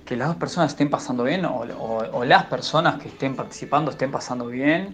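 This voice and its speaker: A man is talking over noticeable background noise. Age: 30s. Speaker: listener sending a voice message. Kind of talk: recorded voice message.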